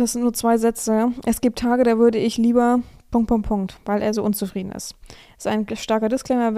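Hoarse woman, frank podcast host. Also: fairly high pitch, mellow. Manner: frank, advising listeners directly. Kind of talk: casual podcast monologue, reading a listener's letter aloud.

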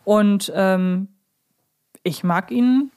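A woman with a medium-pitched voice co-hosts a fan podcast. She talks in a conversational way, pausing to rephrase and correct herself as she thinks things through. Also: a little mellow, clear, resonant tone. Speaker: podcast host.

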